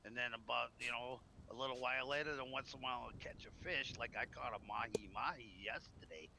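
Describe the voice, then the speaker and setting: A man playing in a zombie survival roleplay stream rambles in a folksy, casual way as he chats in character. His medium-pitched voice is brisk with vocal fry, over faint background noise.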